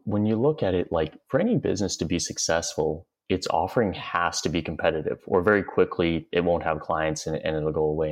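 A man, a company head, answering interview questions in an earnest, reflective way and explaining at length. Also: sits low. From Western Canada. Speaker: guest, company CEO.

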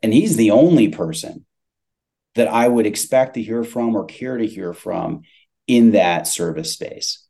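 A man's voice: lowish voice, measured pace, gravelly, dark tone, husky. A man talking business as a guest in a conversational interview, stressing points by repeating phrases. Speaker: podcast guest, tech company CEO.

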